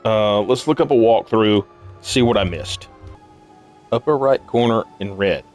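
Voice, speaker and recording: Male gamer, sleep-deprived, unhurried and halting, musing to himself over puzzle play, music underneath. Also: on the low side, a little mellow. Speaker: gaming video host. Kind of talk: casual puzzle game let's play commentary, thinking aloud. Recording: music behind the voice. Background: game music.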